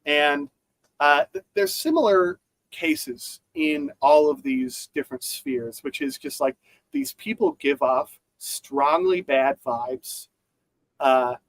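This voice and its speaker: A man chats about the news in a loose, rambling way, stopping and restarting his sentences and filling gaps with "uh" and "like." His voice sits a little high for a man. The sound is dry and close, with no room around it. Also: sing-song, slow, dry recording, poor audio. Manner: rambling, many fillers and restarts. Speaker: podcast co-host. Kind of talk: casual news chat.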